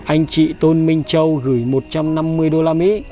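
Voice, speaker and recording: A man hosting a vlog, briskly reading out a list of donors and coaxing and reassuring the person he is helping. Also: a little high, little pitch movement, dark tone. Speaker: vlog host handing out charity money. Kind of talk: reading a donor list, then casual talk. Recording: light background music.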